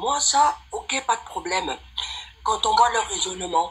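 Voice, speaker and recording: A woman speaking at a fairly slow pace over noticeable background noise. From France. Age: 50s. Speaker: caller in live debate. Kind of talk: heated debate.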